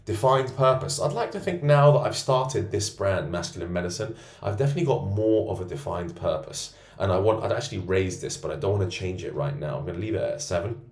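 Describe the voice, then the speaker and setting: Deep-voiced boastful man in roomy echo. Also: expressive, brisk, hardly any pauses. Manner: boastful and self-assured. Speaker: men's self-improvement coach. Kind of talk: self-rating monologue to camera. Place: co-working space.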